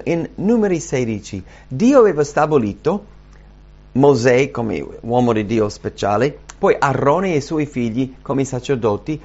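A man preaching a sermon in an earnest, dynamic way, rising for emphasis and dropping low and soft. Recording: dull lo-fi recording.

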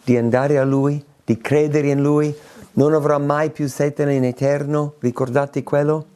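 A man's voice: fairly high pitch, flat delivery, measured pace, warm tone. A man preaching a sermon in an emphatic way, repeating words for stress.

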